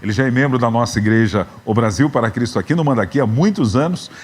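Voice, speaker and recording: A man's voice: mid-range voice, fast. A man in his fifties with a São Paulo accent, a pastor hosting a live church webcast and drawing out his greetings. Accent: Brazilian Portuguese, São Paulo. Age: 50s. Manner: warm greetings, stretched out and raised. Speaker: pastor and program host. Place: church building.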